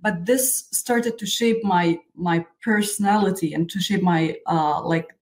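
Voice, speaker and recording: A woman in her thirties from Egypt, a software engineer answering interview questions earnestly, often saying "like". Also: fairly low pitch, a little slow. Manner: frequent "like" fillers, earnest.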